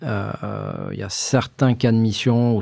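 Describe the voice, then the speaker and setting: The recording is very clean, with a silent background. A man talks there at a medium pitch. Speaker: space startup founder and CEO. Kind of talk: interview. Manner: explanatory, teacher-like.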